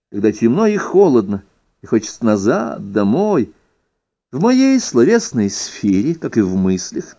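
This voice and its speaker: A man reads a witty essay aloud in a mellow, darkish voice. His pitch rises and falls freely as he leans on the ironic turns. The recording sounds a bit dull and lo-fi. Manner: expressive, ironic, lively emphasis. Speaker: reader. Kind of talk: reading an ironic first-person essay aloud.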